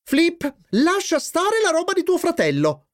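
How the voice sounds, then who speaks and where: A man's voice: very high-pitched, wildly swooping pitch, normal speed, darkish tone, pitched above the performer's own voice, exaggerated voice. A man voicing a patient but exasperated mother who scolds her sons. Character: patient mother, middle-aged woman, fussing.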